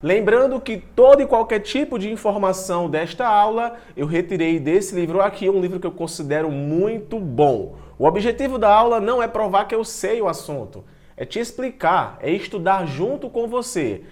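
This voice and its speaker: A man's voice: high voice, animated, normal speed, darkish tone. A man teaches an online class. He talks to students directly and informally, moving between reading slides and adding comments. He is prone to stumbling and restarting on long technical terms. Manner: stumbles and restarts over long technical words, self-deprecating; chatty, addresses students directly.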